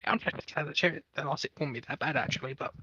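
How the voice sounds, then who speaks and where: A man in a casual technical discussion as a panel guest, speaking haltingly as he searches for words. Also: a little high, pushed and bright, slightly rough, no room sound, highs cut off.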